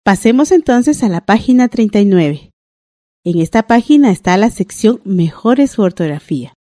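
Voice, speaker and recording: A woman teaching a language lesson on a broadcast, reading out rules and examples in a clear, deliberate way. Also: mid-range voice, lively intonation, warm tone, no echo, studio quality.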